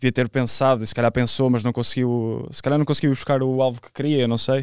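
At a very fast pace and in a monotone, flat intonation, the speaker talks with a European Portuguese accent over a quiet background, the sound dry with no echo. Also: man. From Portugal. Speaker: football pundit. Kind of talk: casual chat. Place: studio. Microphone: studio mic.

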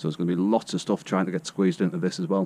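The voice is a man's. It has a dark, mellow tone. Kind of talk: tutorial. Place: garage. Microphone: helmet.

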